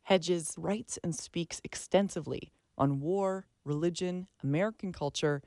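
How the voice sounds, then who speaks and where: A woman's voice: fairly low pitch, unhurried, a little mellow, no echo, clean studio sound. A woman hosting a radio arts show, reading scripted narration.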